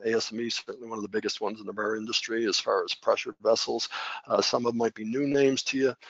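A middle-aged man leads a training webinar in a relaxed, folksy way. He often restarts his sentences and fills the pauses with "uh" and "um." His mid-range voice comes through dull, dry online-meeting audio. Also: mid-range voice, dry recording. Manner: folksy, conversational, frequent fillers and restarts. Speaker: training manager giving a webinar. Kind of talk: unscripted presentation over slides.

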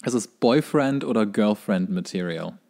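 A man with a fairly low voice co-hosts a casual comedy podcast. He sounds wry and playful, slipping puns and dry asides into relaxed, informal conversation. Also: normal speed, gravelly. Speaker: podcast co-host.

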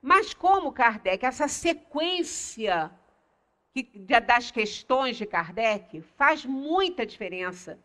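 An older woman with a Brazilian Portuguese accent leads a religious study talk, her voice high and bright. She explains patiently, pausing to stress key words. She is picked up in a small indoor meeting room. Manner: explanatory, stresses single words with long pauses. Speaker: lecturer at a spiritist center.

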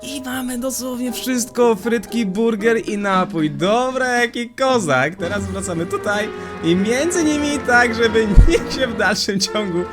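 An excitable young man narrating a game, slangy and quick to laugh, his voice leaping high and dropping low. Game music plays clearly behind him. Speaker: gaming youtuber. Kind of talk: Minecraft let's play commentary.

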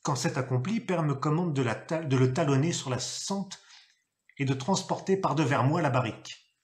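A man reading a novel aloud, telling it expressively and acting out a gruff father's shouted lines. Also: a little high, moderate pace. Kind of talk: literary reading.

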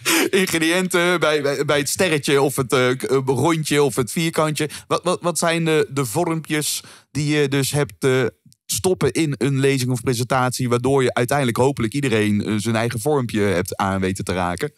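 A man's voice: mid-range voice, moderate pace, no echo, clean studio sound. A man with a Dutch accent hosting a podcast, asking loose, rambling questions with fillers. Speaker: podcast host. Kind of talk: casual podcast interview.

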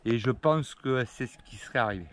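A man's voice: mid-range voice, brisk. A man in his forties, a tree surgeon vlogging to camera outdoors in a rural garden, chatty and joking with viewers and clients. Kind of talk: casual vlog talk to camera. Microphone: action camera held at arm's length. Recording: faint outdoor background noise.

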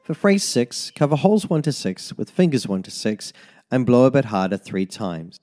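A man narrating a tin whistle lesson as a voice-over, giving slow, methodical step-by-step fingering instructions. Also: medium pitch, sing-song, warm tone, soft background music. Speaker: music teacher.

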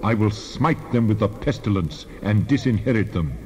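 A man's voice: on the low side, lively intonation, normal speed, darkish tone, natural voice. A man playing a stern, majestic God in a solemn, declamatory dramatized scripture reading. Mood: indignant. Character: God, stern majestic male divine judge. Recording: long reverb, slightly dull sound.

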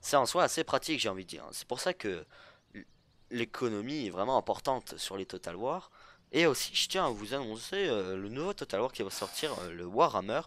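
Un homme qui commente sa partie de jeu de stratégie sur un ton décontracté, en hésitant beaucoup avec des « euh ». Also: male voice, medium pitch, sing-song, a little fast, fairly bright tone. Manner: hesitant, full of euh fillers. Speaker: gaming YouTuber. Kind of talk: casual let's play commentary.

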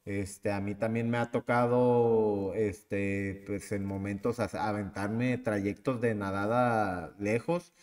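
A man in his thirties with a Mexican accent, hosting a podcast and telling a personal story in a lively, casual way. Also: on the low side, takes it slowly, few pauses, in a large hall. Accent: Mexican Spanish. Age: 30s. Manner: animated, acts out the people in his story. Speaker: podcast host.

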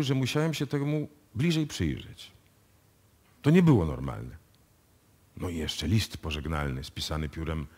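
A self-assured police detective in a radio play. His voice sits fairly low and swings widely in pitch as he deliberately sets out the facts of a case. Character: confident male police detective explaining a case. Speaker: radio drama actor. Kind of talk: live radio drama acting in Polish. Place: radio music studio, performed live before an audience.

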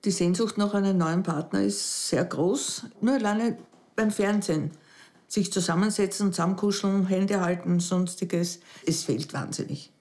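A woman's voice: mid-range voice, moderate pace. A woman in her fifties, a widow, speaking hesitantly and reflectively in an interview at home. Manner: hesitant, reflective, softening into near whispers. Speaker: dating show candidate. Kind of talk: emotional interview. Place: living room at home.

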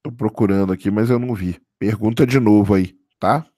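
A man, hoarse from a cold, casually commenting on a live stream and answering viewer chat, often checking in with "tá?". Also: fairly low pitch, brisk, mellow, dry recording, clean studio sound. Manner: casual, keeps adding "tá?" for confirmation. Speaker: livestream host.

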